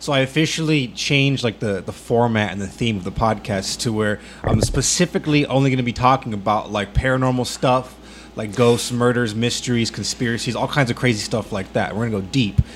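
Over noticeable background noise, a man talks at medium pitch and a fairly quick pace with ordinary pitch variation. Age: 20s. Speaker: podcast co-host. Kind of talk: casual chat.

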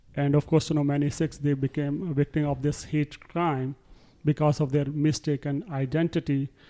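A man speaks at a moderate pace in a fairly high pitch with a dark, mellow tone. His intonation stays monotone and flat. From Punjab, India. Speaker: religious practitioner. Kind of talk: interview. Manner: halting.

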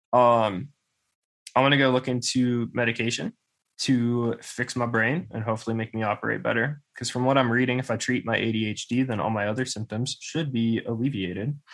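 Here a man with a normal speaking voice talks at a fairly quick pace, his medium pitch held in fairly even intonation. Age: 20s. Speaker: podcast co-host, music producer. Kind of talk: casual chat. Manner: casual, filler-heavy speech.

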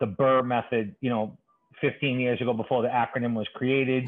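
A man with a Boston accent speaks in a monotone, flat intonation. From Boston, Charlestown. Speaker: real estate lender. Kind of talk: interview. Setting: podcast.

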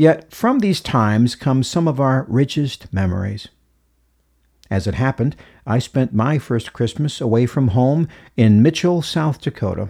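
On a very clean recording with a silent background, a man with an Upper Midwest accent speaks fairly slowly in a dark, mellow tone with lively intonation. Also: medium pitch for a man. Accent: Upper Midwest American. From Minnesota. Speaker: storyteller and podcast host, former radio announcer. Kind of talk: scripted narration of a personal story.

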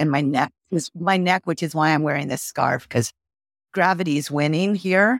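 A woman's fairly low voice, a normal speaking voice with an American accent, ordinary pitch variation and a fairly quick pace, dry and close with no echo on a very clean recording with a silent background. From US West, ranch upbringing. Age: 50s. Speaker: entrepreneur and company founder. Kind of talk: interview.

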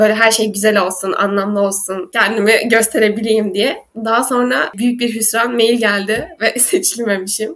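A woman's fairly high voice, animated in tone, at a fairly slow pace with hardly any pauses and ordinary pitch variation. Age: 20s. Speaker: university student and content creator. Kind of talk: casual interview chat. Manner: animated, laughs often.

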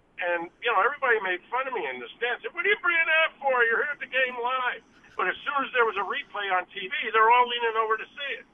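A man speaks at a very fast pace with an extremely high pitch, lively intonation and hardly any pauses. Noticeable background noise runs behind him. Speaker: caller. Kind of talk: casual chat. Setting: phone call.

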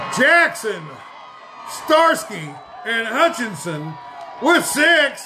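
Shouting with an extremely high pitch and very wide pitch swings, a man speaks at a very slow pace with long, frequent pauses as music plays in the background. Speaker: radio sports broadcaster. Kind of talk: live play-by-play football commentary. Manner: informal, folksy, addressing listeners.

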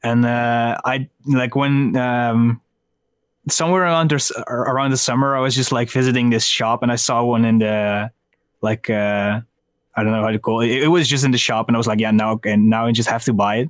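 With a Dutch accent, a man talks at a medium pitch and a fairly quick pace, his intonation fairly even and his loudness very even. The sound is dry and close with no echo, in a very clean recording with a silent background. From Netherlands, near Eindhoven. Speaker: graphic designer. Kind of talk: casual chat.

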